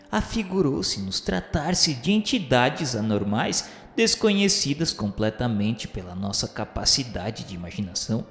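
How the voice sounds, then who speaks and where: A man reading a spiritist radio novel aloud in a formal, measured, grave manner. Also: mid-range voice, echoey room, long reverb tail. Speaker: narrator. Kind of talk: solemn scripted narration of a spiritist radio novel.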